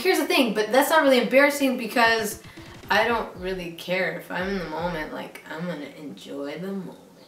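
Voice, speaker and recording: A woman talks at a fairly quick pace, her pitch swinging very widely. Audible room echo and noticeable background noise surround her voice. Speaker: YouTuber. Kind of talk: casual vlog Q&A. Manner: fast; animated.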